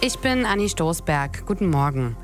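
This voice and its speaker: A woman reading a local radio news bulletin in a calm, measured tone. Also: fairly low pitch, faint music behind. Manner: calm, measured, even delivery. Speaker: newsreader. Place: radio studio. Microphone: studio microphone.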